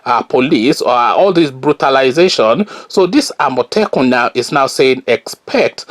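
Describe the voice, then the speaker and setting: A middle-aged Nigerian man with a Yoruba accent giving scornful, argumentative solo commentary, pausing often on fillers. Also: mid-range voice, expressive, fairly bright tone. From Nigeria, Oyo.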